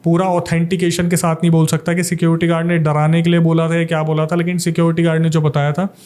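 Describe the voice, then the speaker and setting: Man, slightly high voice, mellow tone, casual podcast storytelling. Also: completely flat delivery, quick pace. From Delhi, India. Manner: informal, chatty, addresses the listener as brother. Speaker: podcast guest, paranormal YouTuber.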